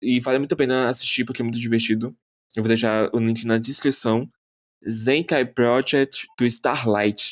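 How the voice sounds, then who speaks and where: A man with a Brazilian accent at medium pitch and moderate pace, in a very clean recording with a silent background. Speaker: YouTuber and amateur voice dubber. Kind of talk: casual monologue vlog. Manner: halting.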